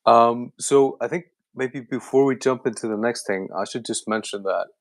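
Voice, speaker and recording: A man from Iceland hosts a relaxed conversation about language, easygoing and quick to agree. His voice sits mid-pitch for a man and is recorded dry and close, with almost no room sound. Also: dry recording. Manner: easygoing, affirming, repeats yeah. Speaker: host, language teacher. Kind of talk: casual chat.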